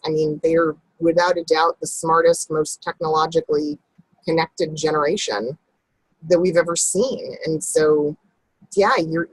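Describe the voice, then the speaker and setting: Lady vo coach chatting, low-ish husky voice, swings up and down a lot. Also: no echo, poor audio. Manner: animated, jumps up in pitch for emphasis. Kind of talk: casual interview chat.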